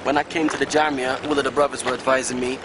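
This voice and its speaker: A man's voice: mid-range voice, little pitch movement, fast. Casual young man giving advice outdoors. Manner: casual, advisory, "you know". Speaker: student explaining daily routine. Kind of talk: informal explanation to viewers. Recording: outdoor traffic noise.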